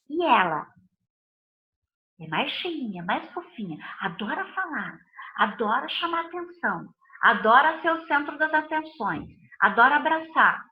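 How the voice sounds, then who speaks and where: A woman's voice: sits high, echoey room, highs cut off. A woman with a Brazilian Portuguese accent, a body and behavior analyst giving a live talk to viewers, speaking emphatically in repeated lists of phrases.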